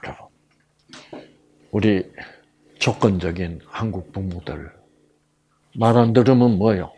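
Slightly rough and lowish, a middle-aged man's voice carries a health lecture at a measured pace. He spins a personal story animatedly, voicing the characters as he quotes them.

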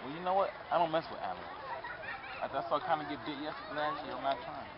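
Laid-back dad at a busy farm. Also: male voice, fairly high pitch, animated, fast. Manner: laid-back, short encouraging phrases. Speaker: father on a family outing. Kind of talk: casual family chat. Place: outdoor petting farm. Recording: muffled camcorder audio, loud crowd and noise.

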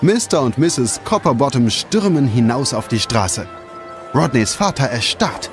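A man tells a children's story as scripted narration. His delivery is animated, with plenty of movement in the pitch. Loud music plays behind him. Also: measured pace. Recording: music under the voice. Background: prominent music.

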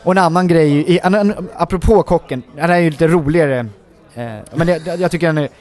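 Stories from shooting films pour out of this actor in a relaxed interview setting. He's a man with a voice on the higher side, talking in an excited, meandering way with frequent verbal fillers.

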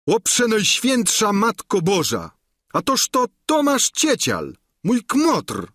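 A man voicing a blunt, excitable peasant squire who speaks in loud exclamations in an audiobook. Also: mid-range voice, a little slow, husky, dry recording, studio quality, voice pushed up, full character voice. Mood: excited.

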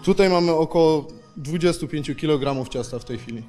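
A man's voice: fairly high pitch, fast, a little mellow, faint music behind. A man in his thirties, a baker, explaining a process step by step in an informal, matter-of-fact way on a handheld microphone. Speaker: pastry baker. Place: tiled bakery production hall. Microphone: handheld microphone held by interviewer.

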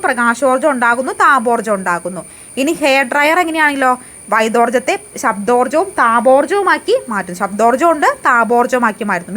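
Higher-pitched woman teaching. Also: a bit bright. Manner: asks questions then answers them, repeats key facts; frequent hesitations and restarts. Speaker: exam coaching teacher. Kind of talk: exam prep lesson.

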